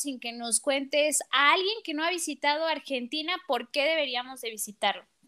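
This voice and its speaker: Her pace moderate and her pitch high, a woman with a Mexican accent uses a bright, sharp tone and ordinary pitch variation in a very clean recording with a silent background. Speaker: podcast host. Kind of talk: interview conversation.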